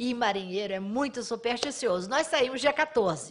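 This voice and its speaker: Lively intonation marks this woman's speech at a moderate pace. Behind her, the background stays quiet. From Rio de Janeiro, Brazil. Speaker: sailor and author. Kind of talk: storytelling talk to audience. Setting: stage with audience. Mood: cheerful, amused storytelling. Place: studio. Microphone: podium.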